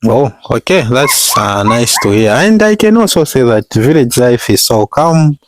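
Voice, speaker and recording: A man's voice: medium pitch, sing-song, a little slow, background noise. A man hosting a casual video interview, asking questions in long winding sentences and laughing often. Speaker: vlogger interviewer.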